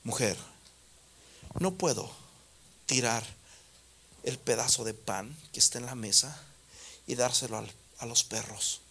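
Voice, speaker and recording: A man voicing a calm, gentle teacher who speaks low and half-whispered. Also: measured pace, long pauses, husky, exaggerated voice. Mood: gentle solemn.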